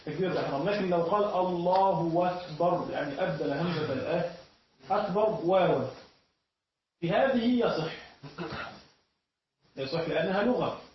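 A man teaching a classroom lesson, often pausing mid-sentence so his students can finish his words. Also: high voice, expressive. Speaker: teacher of Islamic jurisprudence. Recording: echoey, distant, dull room recording.

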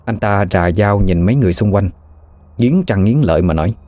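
A man narrating a ghost story in a steady, even storytelling manner. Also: on the low side, fairly quick, dry recording.

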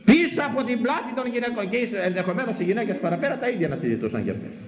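A man's voice: sits high, very animated. A man, a priest, delivering an impassioned, scolding sermon with sweeping emphatic swings in his voice. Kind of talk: fiery sermon. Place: church hall. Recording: echoey church hall with long reverb.

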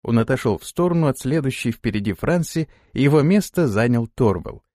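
A man narrating an audiobook with expressive storytelling. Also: medium pitch, fairly quick, dry recording, clean studio sound. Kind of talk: scripted narration.

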